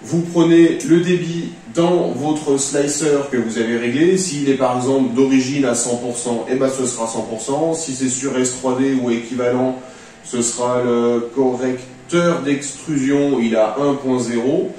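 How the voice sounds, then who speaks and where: A man's voice: medium pitch, steady tone, a little slow, mellow. Man giving a tutorial in a very echoey room. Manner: practical step-by-step instruction. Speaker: tutorial presenter. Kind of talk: informal spoken tutorial. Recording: very echoey room, distant mic, faint noise.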